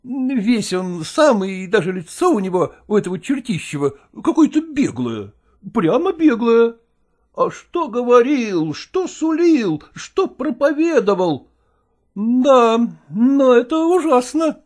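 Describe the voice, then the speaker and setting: A man's voice: extremely high pitch, very animated, slow pace, a little mellow, pitched above the performer's own voice, exaggerated voice. A man voicing a sardonic male actor who talks in a wry, emphatic way. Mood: indignant. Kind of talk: audiobook character voice.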